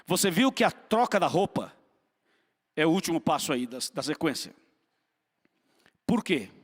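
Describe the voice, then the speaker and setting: A man preaches with a high, ringing voice, driving his points home through repetition and direct questions to the congregation. His words trail off into the long echo of a church hall. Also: big pitch swings, normal speed, breathy edge. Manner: fervent, repetitive, asks the congregation for responses. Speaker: pastor. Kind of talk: sermon.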